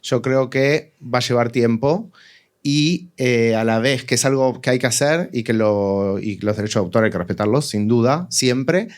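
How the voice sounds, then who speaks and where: A man's voice: mid-range voice, normal speed. Argentine man speaking on a panel. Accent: Argentine Spanish. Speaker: panelist, audio fiction producer. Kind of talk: informal panel discussion.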